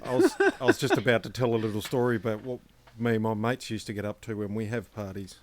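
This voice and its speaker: Australian man co-host, low-ish voice, easygoing matter-of-fact storyteller. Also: steady tone, fast talker, a little mellow. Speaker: podcast co-host. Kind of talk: casual chat.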